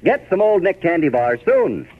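A man's voice: a little high, big pitch swings, normal speed. A man giving a polished, emphatic 1940s old radio announcer delivery. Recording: tinny, band-limited 1940s radio recording.

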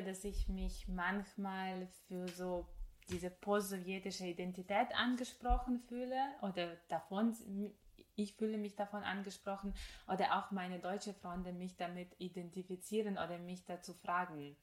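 A woman's voice: medium pitch, fairly even intonation, a little slow. A woman, co-hosting a casual podcast and reflecting while searching for words. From Ukraine. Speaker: podcast co-host. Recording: echoey room.

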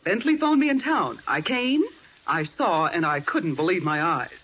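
Smug villainess played by a woman, animated delivery. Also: lowish voice, moderate pace, natural voice. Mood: smug, taunting. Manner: taunting, self-satisfied. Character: smug, cold-blooded female blackmailer and killer. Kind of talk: 1940s radio acting. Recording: muffled, noisy 1940s radio recording.

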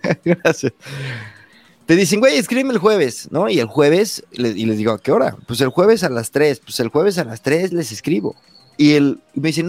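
A Mexican man in his thirties, a podcast host telling his story in a relaxed chat, acting out quoted lines with lively voices. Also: fairly high pitch, dry recording. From Mexico, San Luis Potosí. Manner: animated, acts out quoted dialogue, says güey constantly. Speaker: podcast host being interviewed. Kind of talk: casual conversation.

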